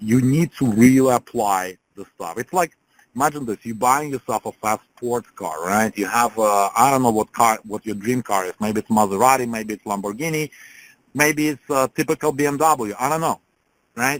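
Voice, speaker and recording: A man's medium-pitched voice with a non-native accent, moderate pace, ordinary pitch variation and big swings in loudness, on a very clean recording with a silent background and a dry, close sound with no echo. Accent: has a foreign. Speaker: online business coach. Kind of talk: motivational talk. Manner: energetic, animated.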